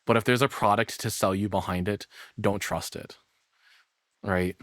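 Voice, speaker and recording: A man's voice: fairly low pitch, steady tone, moderate pace, fairly bright tone, dry recording, studio quality. A man streamer giving casual, musing reaction commentary with sighs and sweary asides. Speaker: streamer and host of reaction videos.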